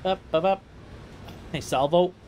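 A man's voice: high voice, measured pace, darkish tone, a little hiss or hum. A man giving casual live gameplay commentary as a speedrunning streamer, talking to himself in repetitive, sweary bits.

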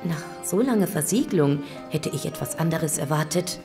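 An actress playing a keen, friendly female archaeologist in a German audio drama, brisk and confident in manner. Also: low-pitched, animated, over music. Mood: thoughtful.

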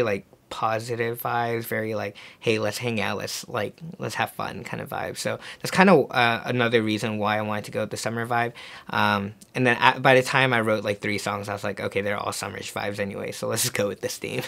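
A young man born in Korea, talking casually in an interview in a music studio, relaxed and full of fillers and little laughs. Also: medium pitch, gravelly. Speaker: singer-songwriter. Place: music studio with mixing console.

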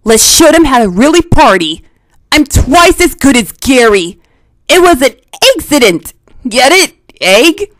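Lady voicing a spunky anime kid hero, high bouncy voice, kinda slow, eager. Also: big pitch swings, dry recording, poor audio. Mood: excited. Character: eager spirited boy hero, about ten. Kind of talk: cartoon voice impression demo.

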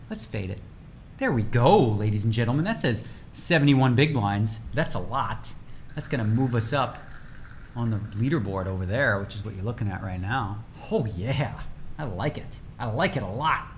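Streaming poker from home, a man in his forties speaks in a fairly low voice, chatting with energy and wandering off on tangents. A slight background noise sits under his casual livestream talk.

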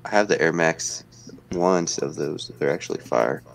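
A young man in his twenties chats loosely on a home livestream, dropping slang and reading viewer messages aloud. His voice sits very low. He sounds relaxed and talkative in front of a webcam. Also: moderate pace, creaky. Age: 20s. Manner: laid-back slangy banter, reads chat aloud. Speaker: livestream host. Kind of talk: casual livestream chat. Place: indoor home room, webcam stream.

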